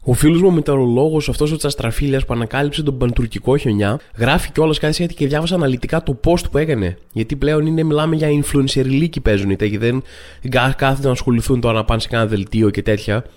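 A young man hosting a comedy podcast, ranting in an exasperated, incredulous way with sudden shouted bursts. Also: mid-range voice. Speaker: podcast host. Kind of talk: comedic rant monologue. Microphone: studio microphone at a desk.

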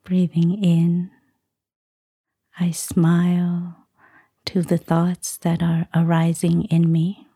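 A woman speaking in a soft, breathy near-whisper, calmly and soothingly guiding a meditation. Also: on the low side, no echo, studio quality. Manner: calm, slow, soothing. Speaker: Buddhist nun, meditation guide. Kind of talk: soft-spoken guided meditation.

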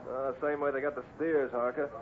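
An actor playing a steady, commanding cowboy hero in a radio Western, brisk, decisive and folksy. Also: male voice, mid-range voice, lightly acted. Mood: triumphant. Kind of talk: 1950s radio Western acting. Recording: noisy, tinny old radio recording.

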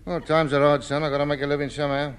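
An actor playing a cheeky, coaxing rag-and-bone dealer in a 1950s radio sitcom. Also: male voice, a little high, level tone, racing, some chatter behind, natural voice. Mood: wheedling.

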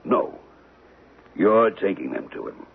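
A tinny, muffled old radio recording of an aging jewel merchant, very husky and raspy. He gives orders with measured, discreet authority, low and gravelly. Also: very animated, full character voice. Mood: businesslike. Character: aging, discreet, cautious male jewel dealer boss. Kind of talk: old radio drama acting.

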